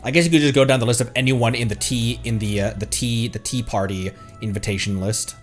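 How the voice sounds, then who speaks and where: A man's voice: mid-range voice, steady tone, brisk, soft background music. A man chatting casually on a livestream as the streamer, playful and rambling.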